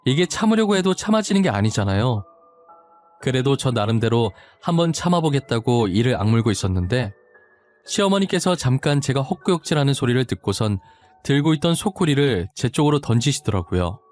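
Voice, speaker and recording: A man narrating a first-person story in a confessional, expressive way. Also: mid-range voice, fairly quick, soft background music.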